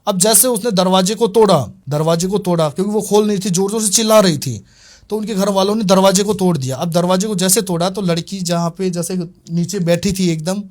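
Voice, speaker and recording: Guy telling his ghost exorcism story in an interview, kinda high voice, acts out what people said. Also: fairly quick. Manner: animated retelling, voices other people's lines. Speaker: exorcist recounting a case.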